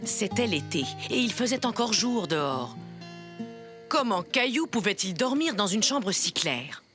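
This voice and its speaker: A woman playing a grandmother who reads a children's story aloud, with expressive, carefully articulated narration. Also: medium pitch, unhurried. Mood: storytelling. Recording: music behind the voice.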